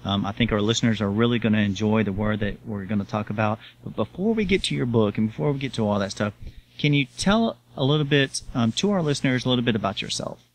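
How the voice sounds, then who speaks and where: A man hosting an interview show, reading a measured scripted introduction and then questioning a guest. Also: lowish voice, expressive. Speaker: host.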